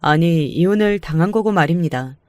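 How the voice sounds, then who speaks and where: Lady reading a story aloud, steady and calm, dry recording. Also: lowish voice, fairly quick, dry recording. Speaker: story reader. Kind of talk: scripted narration.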